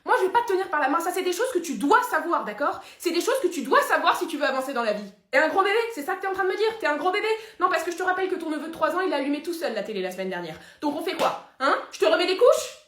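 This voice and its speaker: A woman playing an exasperated young woman loudly scolding her father in a comedy sketch. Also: sits high, fairly even intonation, quick pace, hardly any pauses. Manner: loud, hectoring rant. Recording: roomy echo.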